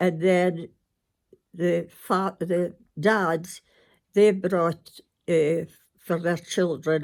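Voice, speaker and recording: A woman with a northeast Scottish accent and a fairly low pitch speaks at a very slow pace with fairly even intonation, on a very clean recording with a silent background. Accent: Doric Scots. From northeast Scotland. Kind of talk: oral history interview answer.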